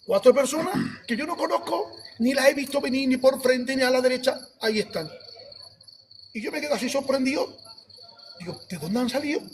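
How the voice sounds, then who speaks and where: Hombre de voz aguda contando un testimonio. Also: male voice, very high voice, normal speed, background noise. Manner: animated storytelling, voices his own quoted pleas. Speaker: church brother giving testimony. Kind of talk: preaching testimony.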